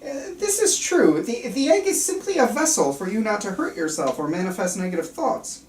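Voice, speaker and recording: Woman acting as concerned male psychiatrist, lively intonation, clinical and insistent, table read, distant roomy recording. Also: mid-range voice, normal speed, natural voice. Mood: calm, clinical. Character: earnest male psychiatrist doctor, concerned and controlling. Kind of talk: table reading of a film script. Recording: roomy, distant mic, faint room noise.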